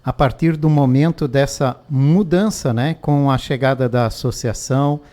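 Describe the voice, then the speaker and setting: A man's voice: mid-range voice, normal speed, mellow. A man hosting a radio interview, asking short questions and prompting his guest. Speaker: radio host.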